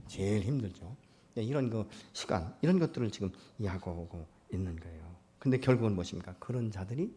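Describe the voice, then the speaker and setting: A man preaching a sermon as pastor, building to loud emphatic peaks and dropping to soft asides, calling out to the congregation for amens. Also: on the low side.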